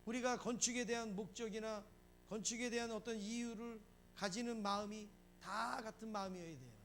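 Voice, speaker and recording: A man's voice: high-pitched, steady tone, brisk, fairly bright tone, a little hiss or hum. A male pastor preaching a sermon. He asks the congregation questions, answers them himself, and repeats phrases for emphasis. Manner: acts out quoted lines in a raised voice.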